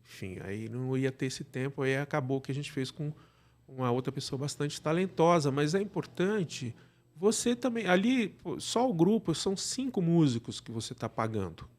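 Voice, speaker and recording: A Brazilian man speaking as an interview guest, explaining things casually and haltingly, often checking that he is followed. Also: a little high, expressive. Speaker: podcast guest, radio drama producer.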